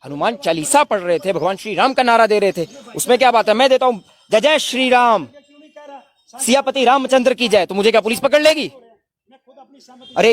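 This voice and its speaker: A man making an impassioned, emphatic statement to reporters at a protest, full of indignant rhetorical questions. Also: high-pitched. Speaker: protest spokesman.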